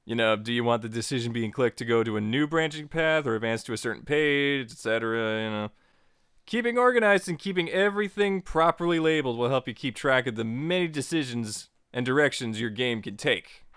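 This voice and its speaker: A man's voice: medium pitch, expressive, a little fast, a bit bright, clean tone, dry recording, studio quality. A man narrating a scripted but casual tutorial as its host, with playful, joking asides.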